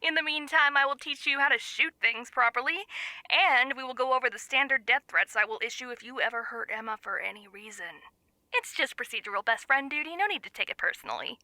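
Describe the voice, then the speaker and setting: A woman's voice: high-pitched, a little fast, bright, forceful tone, dry recording, heavily acted. A woman playing a bossy, playfully menacing young best friend in an audio drama, sardonic and mock-formal. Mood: mock threatening. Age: young adult.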